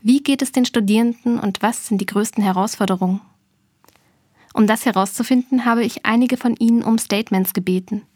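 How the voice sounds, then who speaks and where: A woman's voice: a little high, brisk, a little mellow, no echo, studio quality. A woman hosting a photography news podcast, reading a scripted segment intro in an earnest tone that addresses the listeners directly. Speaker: podcast host.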